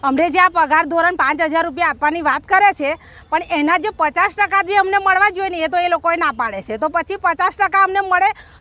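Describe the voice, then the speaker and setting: A woman projects a raised voice at an extremely high pitch, with ordinary pitch variation. The sound is dry with no echo. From Vadodara district, Gujarat, India; Gujarat, India. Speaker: community health worker on strike. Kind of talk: street interview. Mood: aggrieved, insistent. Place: street. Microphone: phone near.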